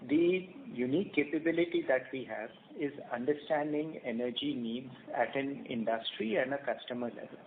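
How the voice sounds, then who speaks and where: A man's voice: medium pitch, normal speed, few pauses. Man on a noisy phone line. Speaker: company executive answering analyst questions. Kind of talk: earnings call question-and-answer. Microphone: telephone conference line.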